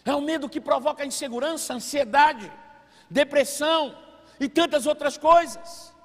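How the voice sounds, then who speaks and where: A man preaching a sermon as a pastor, telling a family story with animated acted-out voices. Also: extremely high pitch, normal speed. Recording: long hall reverb.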